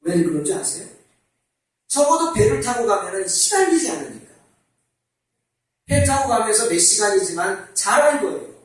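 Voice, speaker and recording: A middle-aged man preaching a sermon as pastor, talking in a lively, conversational way and asking the congregation questions. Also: high voice, normal speed, long pauses. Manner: animated, conversational, asks the congregation rhetorical questions. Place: church sanctuary. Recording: very echoey church hall from far off.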